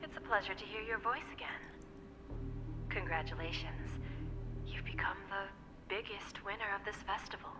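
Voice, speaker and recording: An actress voicing a poised, elegant woman executive in a video game, sly and quietly menacing, with a measured, teasing, silky delivery. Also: medium pitch, natural voice. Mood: coolly impressed. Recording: game dialogue with music underneath. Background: game music.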